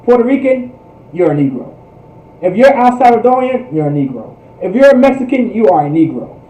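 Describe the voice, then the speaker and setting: A man's voice: high-pitched, big pitch swings, fairly quick, dark tone. A man teaching in a fervent preaching style, emphatic, with repetitive, rhetorical phrasing. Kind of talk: fervent religious history teaching. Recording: echoey room, distant microphone.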